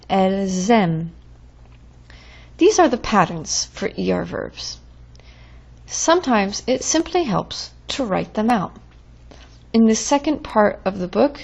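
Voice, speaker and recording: A woman's voice: medium pitch, vocal fry, highs cut off. A woman teaching French verb conjugations in a patient, drilling way, as in a recorded lesson.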